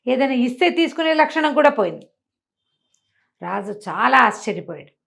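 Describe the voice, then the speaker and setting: Expressive high-voiced woman storyteller. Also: moderate pace, creaky. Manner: conversational, explanatory, acts out quoted dialogue. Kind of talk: animated oral telling of moral tales.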